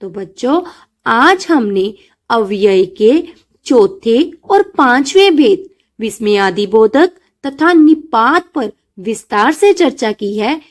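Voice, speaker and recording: An Indian woman teacher speaks slowly and carefully, as if to a class of young pupils. Her voice sits a little high and rises and falls with a lively, sing-song lilt. She explains step by step and reads example sentences out slowly. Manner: slow, patient, addresses pupils as children and dear. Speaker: school teacher. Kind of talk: online class lesson.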